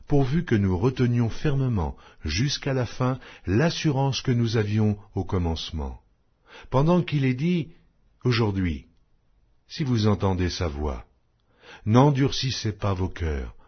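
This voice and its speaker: Husky low-voiced man reading scripture solemnly. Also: highs cut off. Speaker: Bible narrator.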